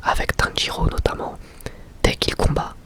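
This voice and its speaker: A young adult man gives an informal, slangy ASMR review in a breathy, unvoiced whisper. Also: normal speed, fairly bright tone. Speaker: ASMR creator and anime reviewer.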